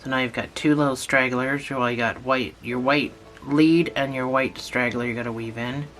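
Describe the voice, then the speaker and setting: Bright-voiced tutor with a cold, slow patient step by step talk, soft music underneath. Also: medium pitch, fairly even intonation, poor audio. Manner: patient, repetitive instructions. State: has a cold, losing voice. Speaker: instructor.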